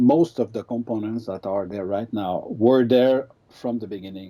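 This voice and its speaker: At a fairly slow pace, the speaker uses a dark, mellow tone and fairly even intonation with a French Canadian accent. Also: man. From Quebec, Canada. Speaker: board game designer. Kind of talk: casual interview. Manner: halting, repeats words.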